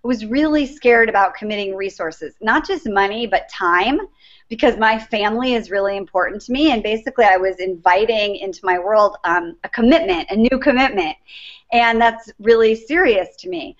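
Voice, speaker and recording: A woman's voice: medium pitch, moderate pace. A middle-aged woman, a life coach, telling her story earnestly as an interview guest. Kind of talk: interview answers, personal story. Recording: dull lo-fi recording.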